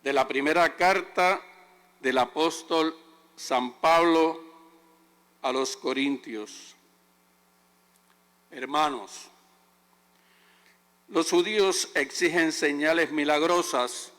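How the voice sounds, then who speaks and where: A man delivers a liturgical reading with great solemnity. His pace is extremely slow and deliberate, his pitch a little high. The words ring out with a long echo in a large, cathedral-like church. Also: a bit bright. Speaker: lector at Mass.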